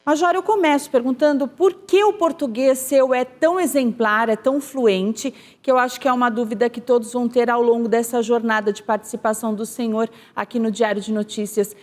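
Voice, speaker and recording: A woman's voice: fairly high pitch, fairly even intonation, fairly quick, hardly any pauses. A woman news anchor presenting and interviewing a guest in a formal, polished manner.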